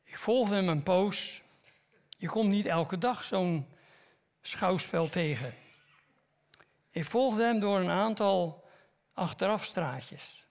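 Slow gravelly preacher telling a story. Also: male voice, high voice, expressive. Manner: slow, dramatic storytelling with long pauses. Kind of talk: sermon storytelling.

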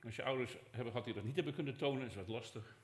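An older man preaching a sermon as pastor, conversational, dropping to soft asides and rising for emphasis. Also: mid-range voice, very fast. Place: church hall. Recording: echoey church hall.

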